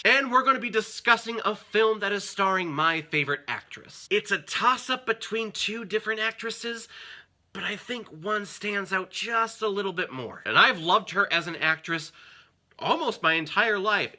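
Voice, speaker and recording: Man, higher-pitched voice, very bright and forceful, lively intonation, gushing film reviewer, emphatic delivery. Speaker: film reviewer and channel host. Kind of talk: enthusiastic movie review vlog addressed to viewers.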